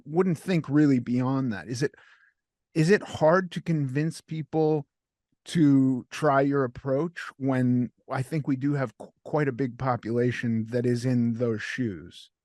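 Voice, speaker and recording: A man's voice: mid-range voice, a little mellow, no echo. Male podcast host asking a rambling question, dry sound. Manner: rambling, self-reflective questioning. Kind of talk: conversational interview question.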